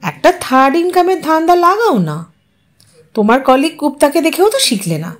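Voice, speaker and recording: A woman doing a haughty, high-voiced young wife. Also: big pitch swings, moderate pace. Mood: coaxing. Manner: coaxing, haughty, mixes English. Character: demanding stylish young wife, 30s.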